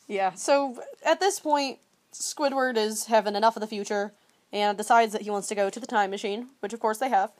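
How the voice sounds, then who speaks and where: A woman's voice: mid-range voice, moderate pace, pauses often. A woman co-hosting a podcast in casual chat, talking with wry, sarcastic asides. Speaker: podcast co-host.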